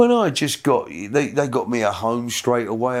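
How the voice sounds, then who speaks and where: A man with a Cockney accent at a moderate pace, in a very clean recording with a silent background. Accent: London Cockney. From South London (Stockwell). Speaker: ex-criminal telling his life story. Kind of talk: interview testimony.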